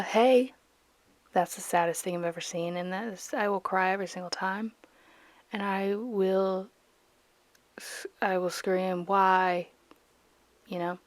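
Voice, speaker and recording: A woman's voice: medium pitch, a little mellow, no echo. A young woman, chatting casually and dramatically in a voice-over while she paints. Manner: chatty, dramatic, self-mocking, bursts of laughter. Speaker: art vlogger.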